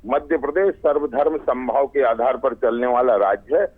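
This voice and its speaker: A man's voice: mid-range voice, moderate pace, slightly rough. A man with an Indian accent arguing formally and emphatically as a party spokesperson in a TV debate over a remote call. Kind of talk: TV debate argument. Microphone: remote call link. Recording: tinny narrowband phone-like line.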